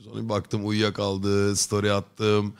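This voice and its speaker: A man's voice: fairly low pitch, completely flat delivery, slow, creaky, slight background noise. A man streaming live and chatting casually with his viewers, joking and rambling in chummy slang. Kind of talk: casual chat.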